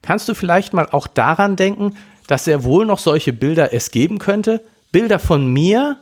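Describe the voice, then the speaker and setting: Guy putting on a high teen girl voice, snappy and teary, bit husky, storybook read. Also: lively intonation, moderate pace. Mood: upset. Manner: sharp, tearful outbursts. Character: upset teenage girl, quick to anger.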